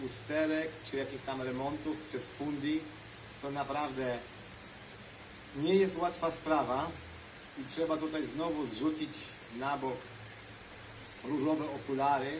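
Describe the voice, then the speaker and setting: A man's voice: medium pitch, fairly even intonation, measured pace, long pauses, noisy background. A middle-aged man sitting outdoors on a patio, earnestly talking to a phone camera a short distance away. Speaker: vlogger. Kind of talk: direct-to-camera commentary.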